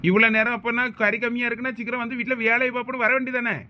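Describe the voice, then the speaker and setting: Stern but doting village father, Thoothukudi Tamil accent, lecturing, bright tone. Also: very high-pitched, little pitch movement, rapid-fire, slight background noise, heavily acted. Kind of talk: cartoon voice acting.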